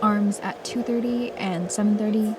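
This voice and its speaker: A woman calmly narrating a travel vlog about her days as a pottery student in a reflective voice-over. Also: medium pitch, normal speed, very noisy. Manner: calm, reflective storytelling. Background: background music.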